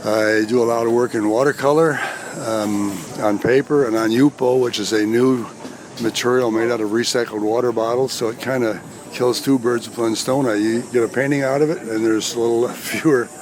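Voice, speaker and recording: Over noticeable background noise, a man with an American accent talks at a fairly quick pace, his medium-pitched voice flat and monotone. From Chicago area, northwest Indiana. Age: 80s+. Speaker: visual artist. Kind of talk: interview.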